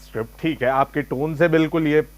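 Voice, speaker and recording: A man's voice: fairly high pitch, fairly even intonation, brisk. Man, news interviewer, polite, hesitant, filler-heavy questions, faint mains hum.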